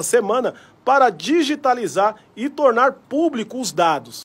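A man's high voice in a Brazilian accent at a fairly slow pace. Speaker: news presenter. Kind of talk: news reading, scripted broadcast delivery. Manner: formal, even and measured; steady, neutral, fact-by-fact pace.

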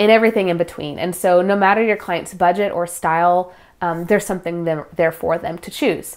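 A woman speaks in a plain, everyday voice at a fairly low pitch. Her intonation is fairly even, and the background is quiet. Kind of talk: casual vlog chat. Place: studio. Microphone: lapel.

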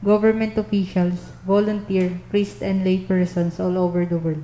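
Fairly even intonation and a fairly slow pace in a normal speaking voice. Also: woman. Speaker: announcer reading mass intentions. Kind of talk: reading aloud a list of names.

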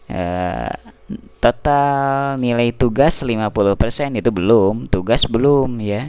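The recording is very clean and the background silent as a man talks very slowly. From Indonesia, West Java (Tasikmalaya). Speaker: vlogger and university student. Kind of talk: screen-recording tutorial. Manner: casual, hesitant with many fillers.

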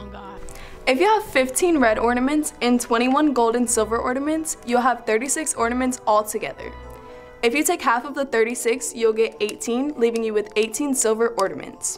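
Over faint background music, a woman talks fairly quickly in a high pitch with ordinary pitch variation. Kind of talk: explaining a math solution. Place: hall.

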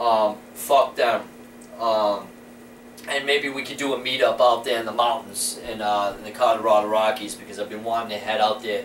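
A man speaks at a moderate pace with monotone, flat intonation and big swings in loudness, with audible room echo and light background noise. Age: 40s. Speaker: police accountability activist. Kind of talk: casual vlog update. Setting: home media room. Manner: halting, many fillers. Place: home room. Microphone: camera far.

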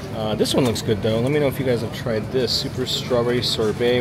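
A man talks at a fairly quick pace while noticeable background noise carries on. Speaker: shopping vlogger. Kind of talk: casual vlog chat. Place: shop. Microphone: phone near.

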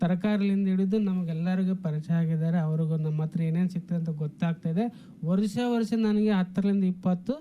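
In a north Karnataka accent, a man speaks at very even loudness with high pitch, a dark, mellow tone and fairly even intonation. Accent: north Karnataka rural Kannada. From Raichur district, north Karnataka. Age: 30s. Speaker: mango farmer. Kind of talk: radio interview.

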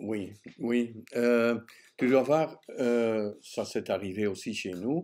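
Over a quiet background, a man with a dark, mellow tone speaks at a very slow pace with ordinary pitch variation. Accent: Dutch. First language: Dutch (speaking French). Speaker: political commentator. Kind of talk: interview. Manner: halting. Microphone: webcam.

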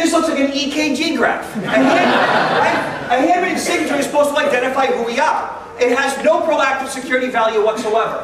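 This man has an American accent and an extremely high pitch, speaking at a fairly quick pace. Noticeable background noise and audible room echo fill the recording. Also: ordinary pitch variation, hardly any pauses. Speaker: keynote speaker on identity theft and personal security. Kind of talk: keynote talk about security. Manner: direct, to-the-point, straight-talking. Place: hall.

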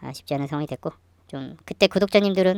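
Fairly even intonation comes through on a very clean recording against a silent background. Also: woman. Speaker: stock investing YouTuber. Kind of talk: casual investment vlog monologue. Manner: halting, frequent fillers.

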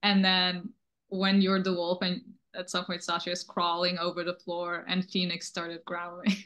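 A woman with a fairly low pitch and a bright, sharp tone talks at a moderate pace in a monotone, flat intonation against a quiet background. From Russia and the Netherlands. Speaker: art historian; interviewer. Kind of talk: interview. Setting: video call. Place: home room. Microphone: video call.

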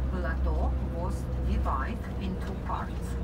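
A woman's voice amid loud background noise. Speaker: tour guide. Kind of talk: tour guide commentary. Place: bus. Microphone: pa.

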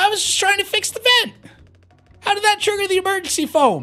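Someone speaks in a put-on character voice at a fairly quick pace. Music plays in the background. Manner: irritated, scolding.

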